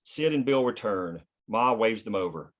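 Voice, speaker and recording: A man's voice: lowish voice, lively intonation, normal speed. A man reading scripted stage directions plainly in the present tense, as narrator at a table read.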